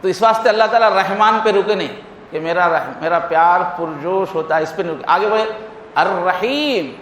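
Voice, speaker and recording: A man's voice: sits high, a bit bright. A male Islamic scholar giving a Friday sermon, explaining with vivid everyday examples. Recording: echoey hall, faint noise.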